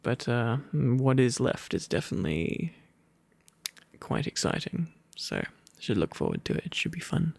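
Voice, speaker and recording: A man with a British RP accent reading a storybook aloud and chatting as an ASMR boyfriend, drowsy, soft and playful, slipping into gentle whispers. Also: mid-range voice, very animated, moderate pace, vocal fry, slightly rough, dry recording. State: sleepy and overfull.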